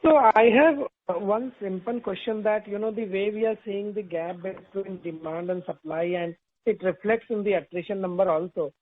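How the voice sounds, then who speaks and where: A man's voice: sits high, moderate pace. Phone-like narrow sound, male analyst, earnings call question. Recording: tinny narrowband phone line.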